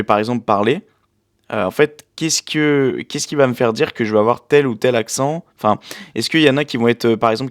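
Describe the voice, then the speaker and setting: A man's voice: on the low side, smooth. A man hosting a podcast, asking curious, tentative questions of his guests. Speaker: podcast host. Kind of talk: interview questions.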